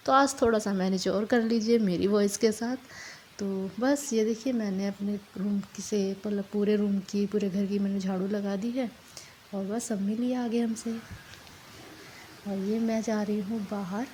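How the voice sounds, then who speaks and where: Young woman, hoarse and run-down, flat dark delivery, faint room hiss, homey vlog talk. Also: mid-range voice, rough recording. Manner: tired, halting, apologizing for her voice. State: hoarse from a sore throat and fever. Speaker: family vlogger. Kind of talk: casual vlog narration while doing housework.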